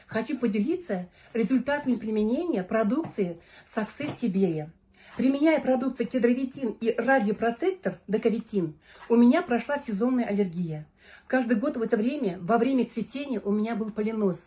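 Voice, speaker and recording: A woman's voice: a little high, animated, fairly quick, dark tone. A woman in her fifties giving a conversational testimonial. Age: 50s.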